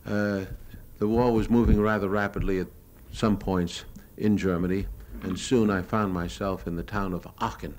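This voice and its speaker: Reminiscing over his home movies of the war, an American newsreel cameraman speaks unscripted, in a plain yet hesitant way. His voice is fairly low, steady and a little mellow, moving at a moderate pace with hardly any pauses, on a noisy old live recording.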